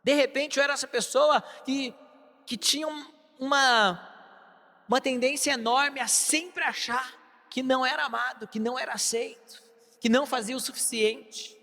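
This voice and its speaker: A young adult man with a Brazilian Portuguese accent preaching a sermon, telling a personal story with emphatic shouted bursts. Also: very high voice, steady tone, normal speed. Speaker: pastor. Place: large church hall. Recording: long hall reverb.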